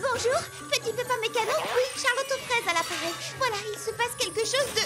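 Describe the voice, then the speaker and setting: A spirited little cartoon girl with a very high, youthful voice. She speaks earnestly and politely, with plenty of expression, and loud music plays behind her. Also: brisk. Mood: polite, concerned. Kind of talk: French-dubbed children's cartoon acting.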